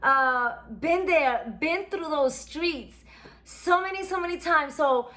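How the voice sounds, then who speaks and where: A woman's voice: high-pitched, lively intonation, slow pace, bright, forceful tone. A woman, chatting casually and reminiscing as she unboxes a subscription box. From New York. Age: 40s. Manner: chatty, reminiscing, musing aloud. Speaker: beauty vlogger.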